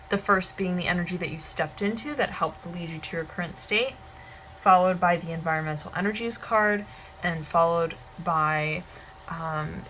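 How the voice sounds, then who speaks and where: A woman with a slightly hoarse voice gives a tarot reading to her viewers, meandering and checking in with "okay?" and "right?". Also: lowish voice, fairly bright tone, slight background noise, rough recording. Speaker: tarot reader.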